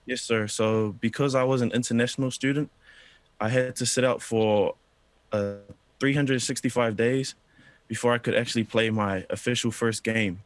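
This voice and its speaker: A man's voice: medium pitch, fairly even intonation, moderate pace, dry recording. A young man from New Zealand on a video call, answering politely and earnestly, calling the host sir. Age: young adult. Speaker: interviewee. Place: indoor room.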